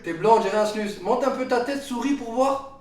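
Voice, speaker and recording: A man's voice: extremely high pitch, a little fast, roomy sound. A man co-hosting a casual live stream, trading teasing, mocking banter with callers.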